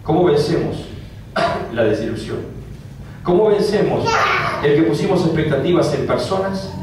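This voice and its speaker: A man's voice: a little high, expressive, moderate pace, darkish tone, a little hiss or hum. A man with a Rioplatense Spanish accent preaching a sermon as pastor, emphatic and acting out dialogue. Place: church hall. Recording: echoey hall from far off, faint ambience.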